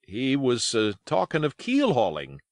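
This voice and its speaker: A man's voice: medium pitch, huge pitch swings, unhurried, dry recording, clean studio sound, pitched above the performer's own voice. A man voicing a dim, sheepish old sailor in an audiobook, hesitant and deferential.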